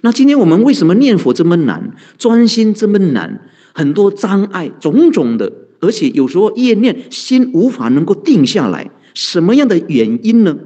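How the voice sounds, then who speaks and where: Husky-voiced monk, lively sermon. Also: male voice, high voice, moderate pace. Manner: conversational, asks rhetorical questions and answers them; chuckles often, heavy use of sentence-end particles. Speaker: Buddhist monk teaching. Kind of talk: dharma talk.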